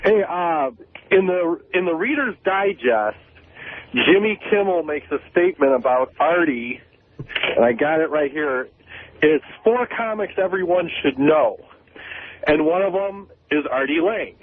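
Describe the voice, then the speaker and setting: A man's voice: a little high, lively intonation, a little slow. A man calling in to a radio show over the telephone. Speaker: radio call-in caller. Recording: tinny, narrow phone line.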